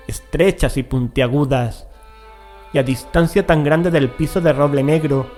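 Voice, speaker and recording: A man reading a gothic horror tale as an audiobook narrator, in a measured, deliberate manner with dramatic pauses. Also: mid-range voice, a little mellow. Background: music.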